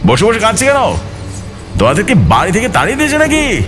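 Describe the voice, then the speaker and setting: A man's voice: wildly swooping pitch, fast talker, over music. A man voicing an anxious village boatman in his forties in a horror story, calling out questions. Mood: calling out, concerned. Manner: loud, high-pitched, questioning calls.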